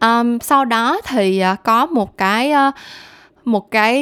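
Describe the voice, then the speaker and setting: A woman with a fairly high pitch and lively intonation speaks in a very clean recording with a silent background, dry and close with no echo. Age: 30s. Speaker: podcast host. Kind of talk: personal monologue. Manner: hesitant, many fillers.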